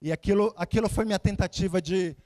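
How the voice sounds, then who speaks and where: A man Salvador, preaching conversationally in an animated storytelling way, with rhetorical questions and repeated phrases for emphasis. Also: high voice, fast talker. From Salvador, Bahia, Brazil. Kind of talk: conversational sermon with personal anecdotes and scripture readings.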